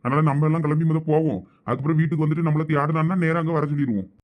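A man's voice: a little high, fairly even intonation, lightly acted. A man with a Thoothukudi Tamil accent playing a husband and shop owner who lectures his wife. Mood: lecturing. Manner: brisk, lecturing. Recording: dull lo-fi sound.

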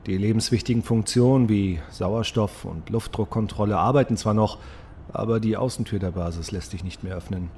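A man's voice: on the low side, fairly quick, dark tone, slight background noise, close to an everyday voice. A man playing a sober, resigned scientist and project leader, dictating a formal, solemn log entry in an audio drama. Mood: grave, formal.

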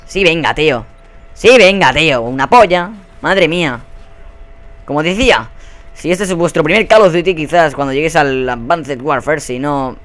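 A man with a Spain Spanish accent giving profane, excitable commentary over his own gameplay. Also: medium pitch, smooth. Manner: excitable and profane, bursting into shouts. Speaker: gaming YouTuber.

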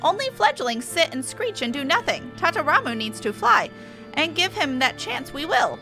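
A woman's voice: high voice, big pitch swings, normal speed, over music. A woman voicing a broody birdlike tribal creature that talks in inverted sentences and squawks. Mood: resolute. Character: gruff, broody birdlike beast-tribe creature with inverted grammar.

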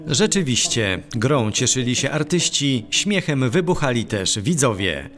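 A man reading scripted news narration in a measured, formal way. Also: mid-range voice, sing-song, a bit bright. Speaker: news reporter. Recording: voice-over with faint music.

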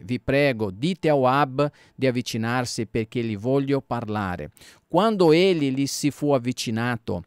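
A male pastor reading the Bible aloud at a steady pace, sometimes stumbling over names and correcting himself. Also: medium pitch.

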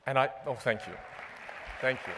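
A young man giving a comedic keynote on a large conference stage, animated and self-mocking, landing punchline after punchline. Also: mid-range voice, normal speed, over a noisy crowd, heavy background noise. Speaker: keynote speaker and magician. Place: large conference stage before a live audience. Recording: long reverb of a big hall.

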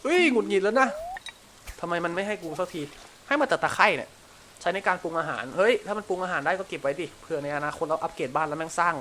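A man with a Thai accent giving casual, crude gameplay commentary, chatting to himself and shouting at the game when it frustrates him. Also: a little high, racing, slight background noise. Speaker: gameplay streamer.

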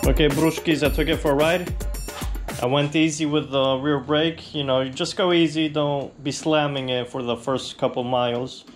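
A man hosting a casual how-to video, explaining a repair step by step in a relaxed, plainspoken way. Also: fairly high pitch, normal speed, over music. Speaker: motorcycle channel host.

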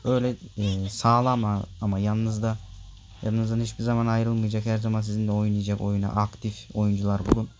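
A man's voice: on the low side, flat delivery, brisk, noisy background. Grumbling man commenting on his gameplay. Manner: grumbling, easily annoyed at teammates; chatty, addresses viewers directly. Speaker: gameplay video maker.

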